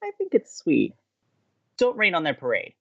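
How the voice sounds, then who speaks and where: A woman acting as a sweet, earnest, sentimental college radio co-host in an audio drama, with expressive delivery. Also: on the low side, moderate pace, dull audio, heavily acted. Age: young adult. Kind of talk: naturalistic audio drama banter.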